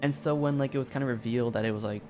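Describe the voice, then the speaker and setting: Talking very fast at a medium pitch, this male streamer rambles through his gameplay commentary over background music. He sounds hesitant and casual, saying "like" again and again.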